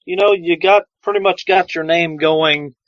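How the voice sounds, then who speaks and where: A man's voice: fairly high pitch, steady tone, normal speed, no echo. A man hosting an interview show introduces his guest and asks questions conversationally. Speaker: radio show host, interviewer. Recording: dull lo-fi, dry audio.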